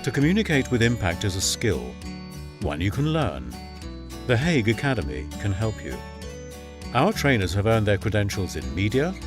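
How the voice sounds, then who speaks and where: Deep-voiced male narrator with lively intonation. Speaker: voice-over artist. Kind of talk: scripted narration for documentaries and promotional films.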